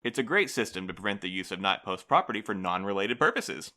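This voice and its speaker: An actor playing a prim, officious postal supervisor in an audio drama, formal, polite and unflappable. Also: male voice, fairly low pitch, expressive, quick pace, pushed and bright. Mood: brightly condescending. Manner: formal, bureaucratic, smoothly evasive.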